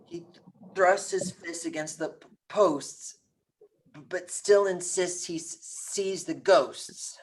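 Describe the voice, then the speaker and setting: Woman acting earnest boy, stutter, husky, slow, grieving, table read drama. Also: fairly low pitch, rough recording. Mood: strained, halting. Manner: halting stutter on hard words.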